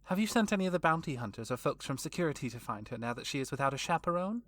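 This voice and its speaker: A woman's voice: sits low, lively intonation, racing, fairly bright tone. A woman playing a cold, vengeful vampire villainess in an audio drama, taunting with genteel menace. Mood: irritated.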